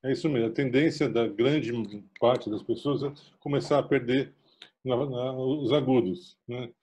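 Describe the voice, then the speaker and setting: A physician with a São Paulo accent explaining hearing loss and telling a story, acting out the dialogue. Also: male voice, medium pitch, fairly even intonation, moderate pace, warm tone. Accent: São Paulo Brazilian Portuguese. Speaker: physician guest. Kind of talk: explanatory casual chat.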